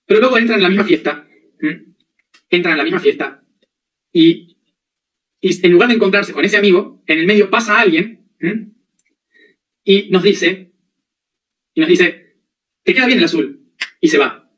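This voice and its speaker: A man's voice: sits high, moderate pace, long pauses, fairly bright tone, far from the mic, rough recording. Man lecturing from off the mic. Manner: explains with everyday examples and frequent checking questions. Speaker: spiritual teacher. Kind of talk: spiritual lecture.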